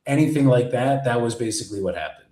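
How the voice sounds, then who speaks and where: A man's voice: medium pitch, animated, fast talker, mellow, a little hiss or hum. A young man telling his own life story in a casual, rambling way, swearing often and filling his talk with "like". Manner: rambling, heavy swearing, many "like" fillers. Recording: echoey room.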